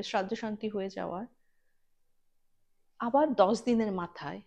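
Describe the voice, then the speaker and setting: A woman casually recounting a true ghost incident to a listener, chatty and full of fillers, slipping English words into her talk. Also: mid-range voice. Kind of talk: casual conversational horror storytelling.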